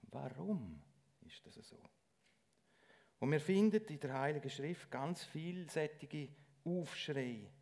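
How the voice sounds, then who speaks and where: A middle-aged man delivers a sermon in church. He speaks earnestly and haltingly, often breaking off and restarting his sentences. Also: on the high side, sing-song, vocal fry, darkish tone. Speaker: lay preacher.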